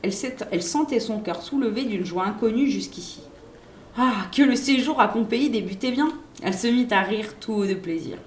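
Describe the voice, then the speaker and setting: A woman reads a children's story aloud with expressive, lively delivery. Her voice sits fairly high. The reading sounds roomy, with a faint background hum. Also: brisk. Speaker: reader.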